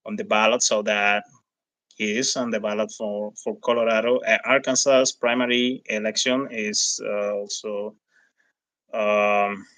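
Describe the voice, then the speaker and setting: A man with a Hispanic accent and native Spanish delivers live commentary in a fairly low voice with a bright, forceful edge. He talks haltingly, hunting for the next word as he addresses his viewers. The sound is dry and close, with little room around it. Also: flat delivery, dry recording, poor audio. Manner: halting, searching for words. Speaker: livestream host.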